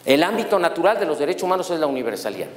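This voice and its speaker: Man lecturing, lively rising and falling voice, rhetorical questions, roomy hall with long reverb. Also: on the high side, very fast. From Mexico. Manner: animated, asks the audience rhetorical questions. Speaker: law lecturer. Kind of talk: university lecture on human rights.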